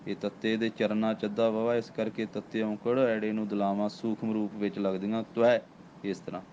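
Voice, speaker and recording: Speaking in a low, dark voice with a Punjabi accent, a patient teacher guides students through scripture recitation, chanting each phrase slowly and fixing pronunciation one word at a time. The dull, lo-fi audio carries faint ambience and slight hiss or hum.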